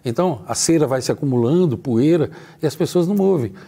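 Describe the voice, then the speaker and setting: Emphatic middle-aged man, husky and warm. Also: a little high, lively intonation, fast talker. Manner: emphatic, talks straight to the viewer; acts out short dialogues in his talk. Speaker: trainer. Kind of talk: motivational workplace lesson.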